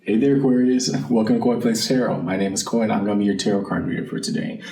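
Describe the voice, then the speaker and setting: A somewhat low-pitched man hosts a casual tarot card reading. He speaks informally and directly to the listener, thinking aloud as he goes. The recording is echoey and a little distant from the mic. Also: fast talker, dark tone. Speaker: tarot card reader and channel host. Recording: roomy, distant mic, faint background noise.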